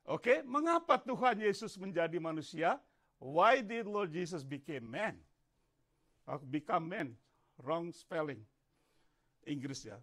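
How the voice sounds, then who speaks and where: A man from Indonesia, a pastor, preaching a sermon in an animated way, rising into shouts and turning aside to talk to the congregation. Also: fairly high pitch, takes it slowly, long pauses. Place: church.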